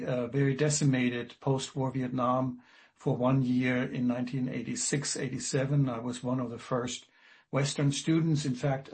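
Male guest professor, 60s, from Germany, measured and halting. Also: mid-range voice, a little mellow. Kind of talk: radio interview.

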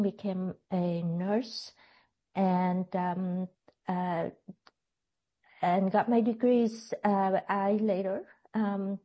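A woman in her sixties from Vietnam, a retired nurse, telling her story on a radio show carefully, with pauses. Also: medium pitch, dull audio. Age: 60s. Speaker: retired nurse and educator guest. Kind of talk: radio interview.

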